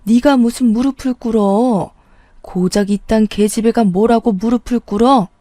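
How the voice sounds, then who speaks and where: A woman voicing a furious, clingy sister-in-law who screams insults in a warm, dry voice. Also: fairly high pitch, moderate pace, dry recording, lightly acted.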